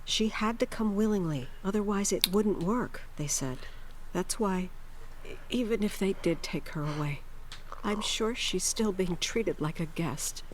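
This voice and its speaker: A woman's voice: mid-range voice, measured pace, slight background noise, lightly acted, poor audio. Woman acting a worried, protective mother. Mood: resigned. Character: worried, protective mother, gentle but firm. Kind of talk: video game voice acting.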